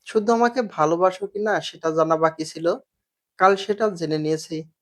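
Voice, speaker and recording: A man voicing a calm, persistent young male suitor who speaks in a deadpan, unbothered way. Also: a little high, moderate pace, close to an everyday voice.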